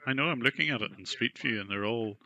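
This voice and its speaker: A man with a gravelly voice, questioning someone in a persistent, skeptical, conversational way. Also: medium pitch, quick pace, sharp tone, muffled recording. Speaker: scam baiter questioning a scam caller.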